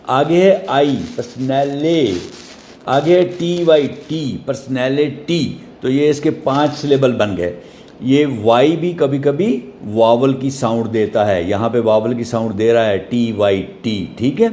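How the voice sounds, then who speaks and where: A man teaching a class, spelling words out slowly letter by letter and checking in with short questions. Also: medium pitch, warm tone, a little hiss or hum. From Pakistan. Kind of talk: classroom lesson explaining English syllables.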